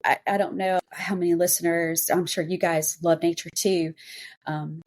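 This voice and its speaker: A woman's voice: on the low side, flat delivery, normal speed, a little mellow. A woman hosting a podcast interview, talking casually and effusively. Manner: effusive, gushing. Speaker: podcast host and anthology editor.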